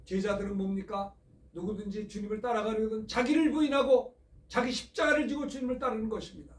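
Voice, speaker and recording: A man's voice: high-pitched, steady tone, fast talker, reverberant, recorded from a distance. A male pastor from Seoul preaching a Sunday sermon, asking the congregation questions as he goes. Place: church sanctuary.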